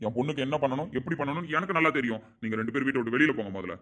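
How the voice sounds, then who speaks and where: A man's voice: mid-range voice, racing, sharp tone, close to an everyday voice. A man playing a middle-aged father who defends his daughter with emphatic, indignant speech in a family drama. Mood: angry. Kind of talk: amateur family drama acting.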